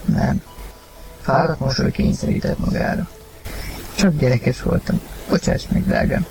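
A man reading a story aloud, narrating and acting the husband's lines with sudden loud outbursts. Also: medium pitch, gravelly, noisy background. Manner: acted, rising to shouts in heated lines. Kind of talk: dramatized audiobook reading.

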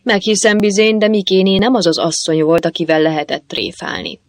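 A woman telling an old folk legend in a measured, steady narration. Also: medium pitch, no echo.

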